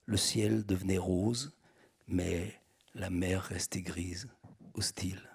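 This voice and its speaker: Male reader, low gravelly voice, unhurried literary reading with hesitations. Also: steady tone. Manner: slow, deliberate, with pauses and hesitations.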